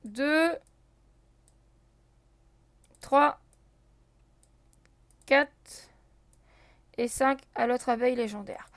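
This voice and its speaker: High-voiced woman narrating her gameplay. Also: extremely slow, pauses often, dry recording, studio quality. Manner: chatty, thinks aloud with many fillers, talks to viewers; counts and checks items out loud. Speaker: let's play host. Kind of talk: casual gameplay commentary.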